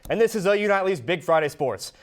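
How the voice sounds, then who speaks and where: A man's voice: high voice, lively intonation, quick pace. A young man anchoring a student sports newscast, upbeat and bantering with his co-anchor. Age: young adult.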